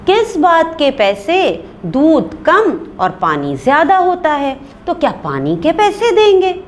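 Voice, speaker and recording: A woman's voice: on the high side, sing-song, slow pace, a little hiss or hum, pitched above the performer's own voice. A woman voicing a fussy, bossy wife of the house, reading a play aloud for a class. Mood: scolding. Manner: bossy, scolding.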